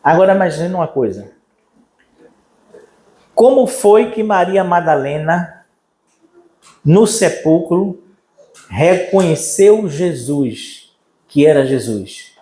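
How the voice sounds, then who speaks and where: Animated Brazilian pastor in echoey church. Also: male voice, fairly high pitch, takes it slowly, long pauses. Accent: Brazilian Portuguese. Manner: animated preaching, acting out quoted voices. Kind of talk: sermon.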